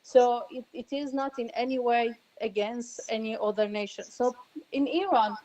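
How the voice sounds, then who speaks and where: A woman's voice: on the high side, moderate pace, mellow, rough recording. Hesitant woman panel speaker, Arabic native. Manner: hesitant, many ums and restarts. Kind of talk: panel talk.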